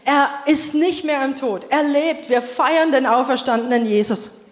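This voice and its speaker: Woman preacher, emphatic sermon, asks the congregation questions, high voice. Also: measured pace, big-room sound. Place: church.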